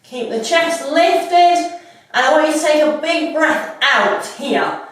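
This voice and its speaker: A woman with a slightly stuffy cold, leading a workout with calm, unhurried cueing. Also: sits high. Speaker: fitness instructor. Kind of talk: guided workout instruction. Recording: echoey room, mic at a distance.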